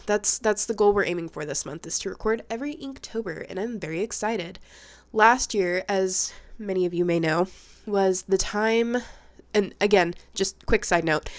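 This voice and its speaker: A young woman vlogging about her art in a casual, chatty, self-deprecating way, her voice congested and sniffly from a cold. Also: mid-range voice. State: stuffed-up nose from a cold. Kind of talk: casual chat.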